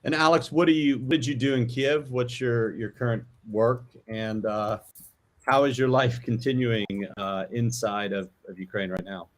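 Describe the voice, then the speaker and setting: A man's voice: medium pitch, fairly even intonation, normal speed. A man hosting and moderating a live panel discussion, introducing guests and asking questions. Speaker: host.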